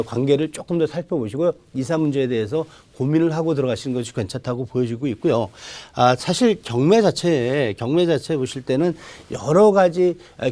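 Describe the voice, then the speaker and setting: A man speaking as a real estate expert on a TV advice show, explaining off the cuff in polite formal speech, halting and repeating his phrases. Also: fairly high pitch, dark tone. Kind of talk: unscripted expert consultation.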